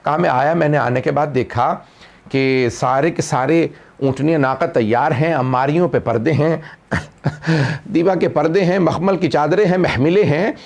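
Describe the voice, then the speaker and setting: A man's voice: fairly high pitch, normal speed, gravelly, darkish tone. A male cleric delivering a mourning sermon, narrating a tragedy and quoting its figures, rising to an impassioned wail. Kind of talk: Muharram majlis sermon, rising to wailing recitation. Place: mourning hall at an Islamic center.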